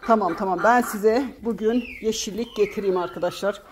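A woman's voice: medium pitch, fairly quick, darkish tone, slight background noise. A woman vlogger and chicken keeper, chatting casually to her hens and her viewers outdoors in a garden, exclamatory and affectionate. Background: hens clucking nearby.

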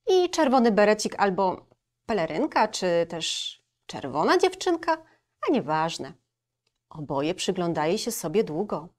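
A woman librarian reading a storybook aloud and speaking gently and directly to young children. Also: on the low side.

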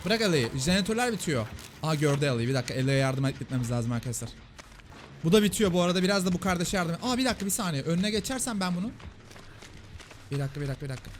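A man streaming a multiplayer game, commenting rapidly and repeating short urgings to his teammates. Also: a little high, animated. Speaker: gaming streamer. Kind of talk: excited Let's Play commentary. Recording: noisy game audio underneath.

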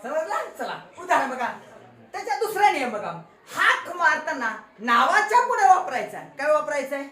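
A female schoolteacher with a Marathi accent gives a classroom grammar lesson, playfully teasing the children and quizzing them through call-and-response. Her voice is high-pitched, bright and forceful, very animated, at a normal speed. The recording has an echoey classroom sound with children's voices.

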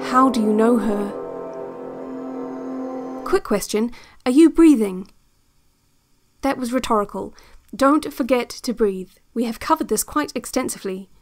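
A woman playing a calm, controlling relaxation-tape instructor in a scripted audio fiction, speaking in a measured, deadpan, instructive way. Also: on the high side, over music. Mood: calm, probing. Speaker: narrator of relaxation cassettes.

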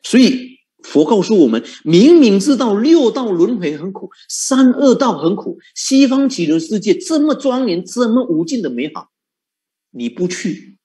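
Animated monk preaching. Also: male voice, high voice. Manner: animated, rhetorical questions, frequent chuckles and drawn-out particles. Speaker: Buddhist monk teacher. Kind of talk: Buddhist dharma talk.

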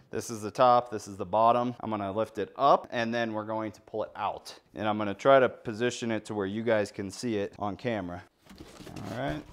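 A young adult man presenting an unboxing in a casual, informal and enthusiastic way. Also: fairly low pitch. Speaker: product presenter.

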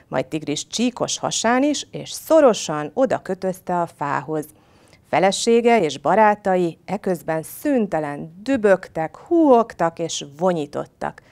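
A woman reading a children's folk tale aloud in a gentle, expressive storyteller manner. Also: lowish voice.

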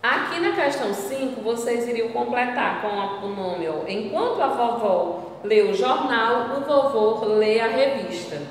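A woman teaching a grammar lesson to children, drawing words out slowly, asking the class questions and then answering them herself. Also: on the high side, lively intonation, a little hiss or hum. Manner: slow, drawn-out, stressing each syllable. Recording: roomy echo, distant from the mic.

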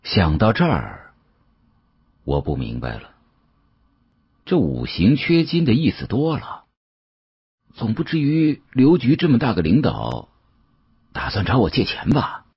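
A man narrating an audiobook in the first person, dramatic, expressive and musing. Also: lowish voice, measured pace, pauses often, breathy edge, dry recording, dull audio.

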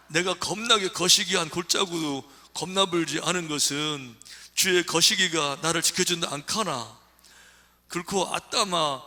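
Pastor doing a loud drawling jeolla guy, bright sharp voice. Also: a little high. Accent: Jeolla dialect. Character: earthy Jeolla man reciting a psalm.

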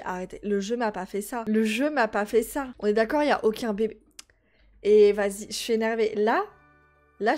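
A woman's voice: on the high side, darkish tone. A woman in her twenties from France, chatting casually and exclaiming to her viewers as she plays a life-simulation game. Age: 20s. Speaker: gaming YouTuber. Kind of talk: casual let's-play commentary.

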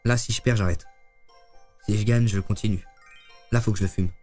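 A man giving live commentary on his own gameplay to chat, excitable and swearing often. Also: lowish voice, a little fast, soft background music. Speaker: streamer.

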